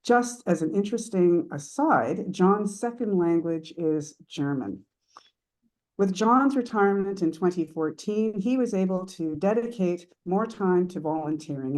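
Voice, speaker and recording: Low, mellow-voiced woman giving a formal introduction. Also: rough recording. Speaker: speaker introducing a club guest. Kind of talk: prepared introduction speech at a meeting.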